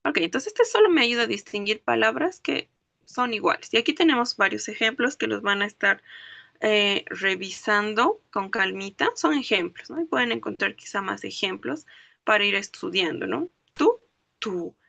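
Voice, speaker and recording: Woman language teacher, bright tone, patient step-by-step explaining. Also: medium pitch, expressive, gravelly, no room sound. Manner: explains slowly, checks understanding with "¿ok?" and "¿no ve?". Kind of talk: classroom lecture.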